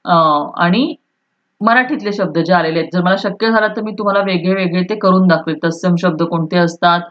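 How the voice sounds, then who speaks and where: Low-voiced woman teaching Marathi grammar. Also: fairly quick, highs cut off. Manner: explains step by step, often checks "right?", repeats key terms; switches into Hindi to restate points. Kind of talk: online school lesson.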